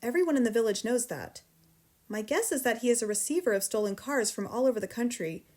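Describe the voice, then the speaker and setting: A gentle young schoolteacher who speaks quietly and patiently in a calm, kind voice. A woman reading the story voices her, close to her own voice. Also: fairly high pitch, quick pace.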